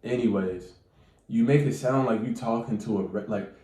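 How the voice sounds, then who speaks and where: A man's voice: mid-range voice, normal speed, roomy sound, heavy background noise. A man with a stuffy nose giving casual, slangy, profane advice straight to his viewers. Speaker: manifestation coach.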